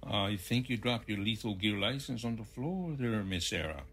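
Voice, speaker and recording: A man's voice: fairly low pitch, lively intonation, moderate pace, a bit bright, husky, exaggerated voice. An actor in an audio drama playing an obliging but wary hunting-shop salesman with a polite sales manner. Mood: guarded.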